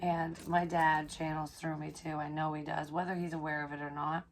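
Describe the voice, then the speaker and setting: A hoarse young woman, chatting casually in a rambling psychic vlog, swearing freely and filling pauses with ums. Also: low voice, level tone, noisy background. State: hoarse, recovering from illness. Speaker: psychic medium vlogger.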